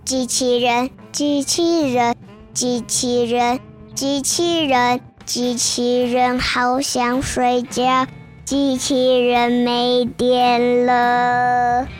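A woman voices a fussy little girl in a children's storybook who slips into a flat, mechanical robot chant. The voice sits very high and moves slowly, each beat stiff and even, with soft music playing behind it. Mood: robotic, sleepy.

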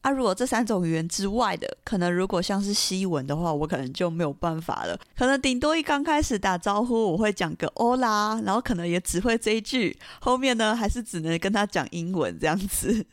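A young woman from Taiwan with a Taiwanese Mandarin accent, hosting a podcast and telling stories in a chatty, animated way with frequent laughter. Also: mid-range voice, brisk, hardly any pauses, dry recording, studio quality. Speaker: podcast host. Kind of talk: casual storytelling podcast.

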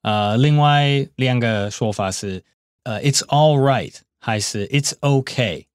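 A man's voice: medium pitch, slow, clean tone, dry recording, studio quality. A man co-hosting an English lesson in a casual chat, switching between English and Mandarin with many hesitant fillers. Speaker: co-host and English teacher.

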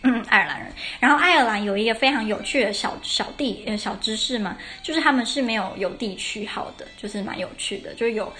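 A woman's voice: a little high, fast talker, few pauses, bright, forceful tone. A young woman hosts a casual podcast lesson. She explains things step by step and often corrects herself mid-sentence. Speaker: podcast host. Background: faint traditional Irish music.

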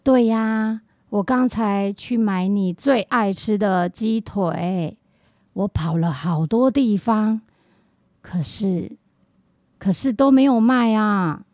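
A woman's voice: mid-range voice, slow pace, darkish tone, dry recording, studio quality. A woman acting an affectionate, easily indignant, confused old woman with dementia in a radio drama. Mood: fond.

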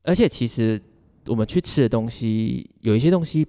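A man speaks Mandarin with a Taiwanese accent in a very lively, swinging intonation. He tells stories casually, giggly and rambling, like a podcast co-host. His voice rings with a long reverb. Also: mid-range voice, moderate pace. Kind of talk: casual chat, personal storytelling. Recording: reverberant, hall-like sound.

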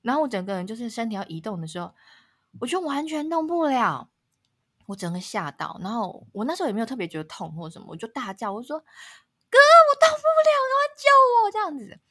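A woman, a podcast co-host telling a story in casual chat, laughing often and leaping up in pitch at dramatic moments. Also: lively intonation, quick pace, slightly rough.

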